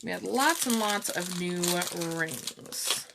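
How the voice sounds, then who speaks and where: A middle-aged woman with a calm, soft-spoken voice, chatting slowly through a live jewelry showcase and answering viewers by name. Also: on the low side, vocal fry, noisy background. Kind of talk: slow live-stream product showcase chat.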